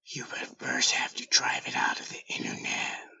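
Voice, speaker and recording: An actor voicing a talking robot remote, formal and stilted, with a whispery, gravelly voice. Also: normal speed, bright, forceful tone, lo-fi sound. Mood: flat, formal. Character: talking robot remote, cold and matter-of-fact.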